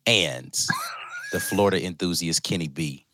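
Very deep-voiced laid-back man. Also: moderate pace, shouting, background noise. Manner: laid-back, chatty, drawling slang. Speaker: podcast host. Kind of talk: casual sports talk.

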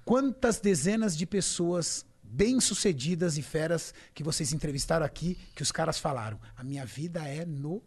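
A man's voice: on the high side, expressive, moderate pace, few pauses, slightly rough. A middle-aged man from Brazil, a bodybuilding champion telling stories in an interview, emphatic and acting out the dialogue he quotes. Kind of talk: podcast interview storytelling.

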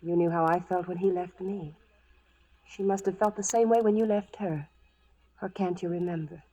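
Bold lovelorn frontier woman, low voice, direct, challenging, vintage radio drama. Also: fairly even intonation, moderate pace, warm tone, slightly rough, lo-fi sound. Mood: earnest, determined. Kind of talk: 1940s radio western acting.

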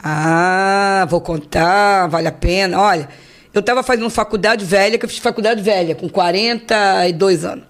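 A woman's voice: medium pitch, moderate pace. A woman in her fifties with a Rio de Janeiro accent, a podcast guest telling a long personal story in casual chat, acting out the voices she quotes and repeating words for effect. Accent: Rio de Janeiro Portuguese. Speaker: guest, host's mother.

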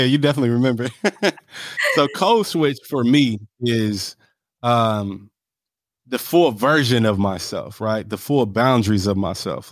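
Being interviewed, a real estate developer with an African American accent speaks casually and assertively, frequently punctuating with "right?" His voice is lowish, and the studio recording is clean and echo-free.

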